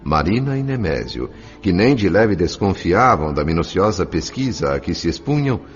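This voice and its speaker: An actor playing a gentle, reverent spirit who narrates a radio drama in a solemn, literary, emotive way. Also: male voice, low-pitched, sing-song, moderate pace. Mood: tender, reverent. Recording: dull lo-fi sound over clear music.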